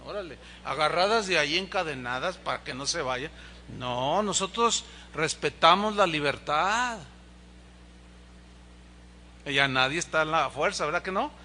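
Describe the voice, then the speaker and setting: A man preaching a sermon as pastor, animated and acting out dialogue with rising and falling pitch. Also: slight background noise.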